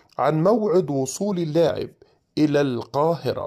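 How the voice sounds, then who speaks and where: A man's fairly high pitch with lively intonation at a fairly slow pace. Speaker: football news YouTuber. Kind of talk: news roundup monologue. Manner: animated.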